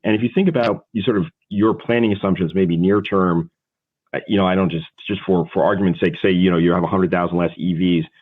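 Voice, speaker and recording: A man working as a financial analyst, asking a halting, rambling question on a conference call. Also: deep voice, fairly even intonation. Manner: halting, rambling, full of repeated words. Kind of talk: unscripted question on an earnings call. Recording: thin, band-limited phone line.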